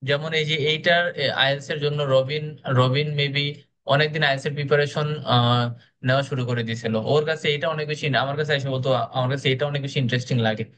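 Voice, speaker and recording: A man's voice: a little high, level tone, quick pace, a bit bright, slight background noise. A young man running a speaking club orientation, talking casually and encouragingly with many fillers. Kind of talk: orientation class talk.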